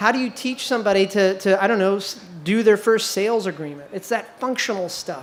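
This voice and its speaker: Here a man speaks in a high voice for a man, with ordinary pitch variation. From India, moved to US as a child. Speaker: venture capital investor. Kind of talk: live panel talk. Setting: stage with live audience. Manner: animated.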